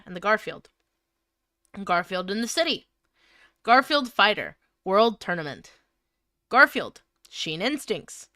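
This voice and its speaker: A woman's voice: medium pitch, sharp tone, no echo, clean studio sound. A woman co-hosting a stream with casual banter and reactions. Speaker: streamer co-host.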